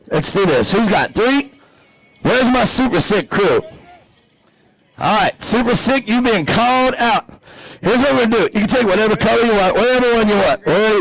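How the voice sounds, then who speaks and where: Man, high-pitched, race track announcer, outdoor event, joking hype. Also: creaky, dry recording, rough recording. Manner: energetic, joking crowd hype.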